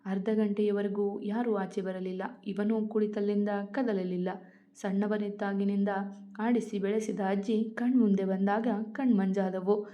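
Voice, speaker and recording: Woman storyteller, scripted narration, measured, mid pitch, dull lo-fi recording. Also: level tone. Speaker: storyteller reading her own stories.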